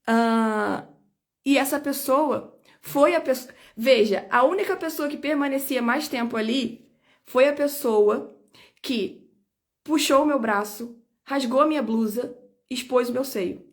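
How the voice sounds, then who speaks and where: High-voiced indignant woman. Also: measured pace. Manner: emphatic, indignant, repeats points for weight. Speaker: lawyer recounting her own detention. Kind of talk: personal video statement.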